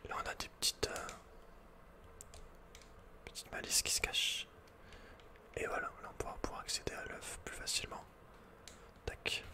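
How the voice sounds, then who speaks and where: A man speaks entirely in a breathy, unvoiced whisper. He comments on his video game casually and with slang, often muttering to himself. The delivery is ASMR, spoken close to the microphone. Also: moderate pace, long pauses.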